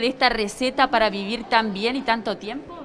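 A woman speaks in a raised, projected voice at a high pitch. Light background noise sits behind her. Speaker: TV reporter. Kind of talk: TV news interview. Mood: warm, playful. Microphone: handheld.

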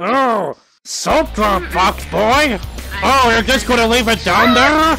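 A man does a put-on character voice at a high pitch and a fairly slow pace, with faint music behind him. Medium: machinima. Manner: smug, bossy.

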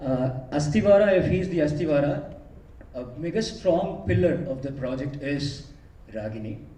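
A man with a fairly high pitch and lively intonation is heard with audible room echo and noticeable background noise. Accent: Tamil. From Tamil Nadu. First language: Tamil (speaking Kannada). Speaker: film actor. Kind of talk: launch event speech. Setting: stage with audience.

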